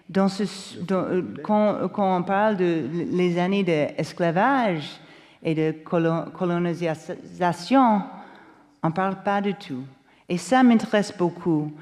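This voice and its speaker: A journalist from Canada speaking on a panel, halting and searching for words with many restarts. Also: female voice, mid-range voice, a little mellow. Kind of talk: round-table remarks. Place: lecture hall. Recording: long hall reverb.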